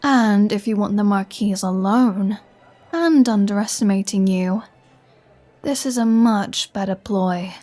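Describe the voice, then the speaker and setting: A woman's voice: medium pitch, unhurried, dark tone, soft background music, lightly acted. A woman playing a flirty, sardonic vampire in an ASMR roleplay, teasing and sarcastic with a playful threat. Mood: sardonic, scheming. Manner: teasing, sarcastic, conversational with sighs. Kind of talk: ASMR roleplay audio drama.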